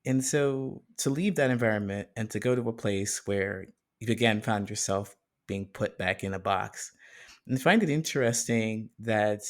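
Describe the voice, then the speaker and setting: A man's voice: fairly low pitch, moderate pace. A man hosting a podcast interview, thoughtful and searching for his words, with a joking streak. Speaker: podcast host. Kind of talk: casual interview conversation.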